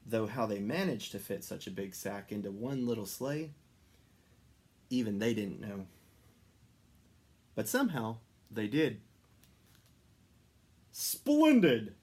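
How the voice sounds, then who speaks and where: A man reading a children's story aloud as an expressive narrator. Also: fairly low pitch, measured pace, pauses often, breathy edge. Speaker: storybook reader.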